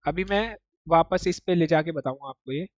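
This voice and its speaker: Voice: mid-range voice, moderate pace, dry recording, highs cut off. A teacher in an online class explaining Japanese writing step by step, mixing English words into the talk and often checking that the listener follows.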